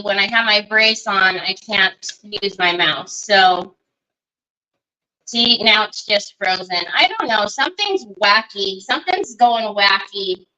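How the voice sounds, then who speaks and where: A woman's voice: medium pitch, sharp tone, rough recording. A woman hosting a casual craft livestream, chatting along and greeting viewers by name as she works. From Northern California. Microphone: computer mic on a livestream.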